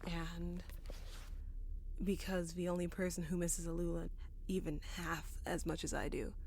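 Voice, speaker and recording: A woman's voice: on the low side, little pitch movement, unhurried, a little mellow, slight background noise. A woman playing a weary, sardonic, foul-mouthed space adventurer in naturalistic audio drama dialogue, wry and a little hesitant. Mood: rueful, confiding.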